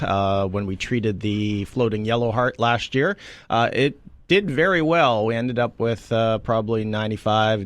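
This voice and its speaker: Guest, man, low voice, measured explainer, dry studio. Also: dry recording. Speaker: city councillor. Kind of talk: radio interview guest. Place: radio studio.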